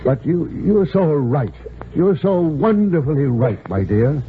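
A man's voice: on the high side, very animated, a little slow, over loud music. A bashful stammering man of fifty-three. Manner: hesitant, stammering. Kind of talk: 1940s radio acting. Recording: tinny noisy old radio broadcast.

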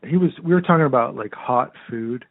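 A man's voice: mid-range voice, fairly quick, gravelly, husky, no room sound. A man in casual chat, telling stories in a sarcastic, profane way full of fillers. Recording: tinny phone-like sound.

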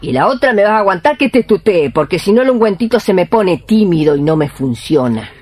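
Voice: medium pitch, sing-song, a little fast, a little mellow, slightly rough. An actor playing a humble, pious and cheeky old woman folk healer with an Argentine accent in a radio play, talking in a familiar, folksy way. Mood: brisk, bossy. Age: older. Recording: music behind the voice.

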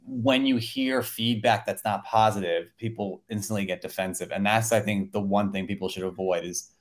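A man's voice: lowish voice, steady tone, moderate pace. A man co-hosting a podcast, thinking aloud earnestly and summing up the discussion. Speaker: podcast co-host. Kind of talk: casual podcast chat.

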